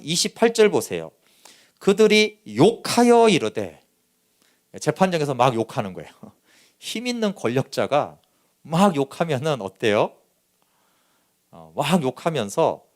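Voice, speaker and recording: A male pastor preaching a Sunday sermon, reading scripture and acting out the voices of its figures. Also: medium pitch. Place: church sanctuary.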